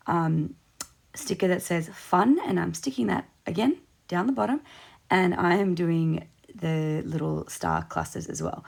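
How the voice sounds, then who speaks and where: Hoarse, very creaky Australian woman. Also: fairly low pitch, a little mellow. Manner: chatty, informal. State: hoarse, losing her voice. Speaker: craft video host. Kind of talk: casual process voice-over.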